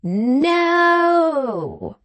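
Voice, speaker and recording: A woman voicing a malicious, gleeful dwarf husband from a storybook, taunting with drawn-out, emphatic words. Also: medium pitch, very animated, a little mellow, no room sound. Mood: threatening, roaring.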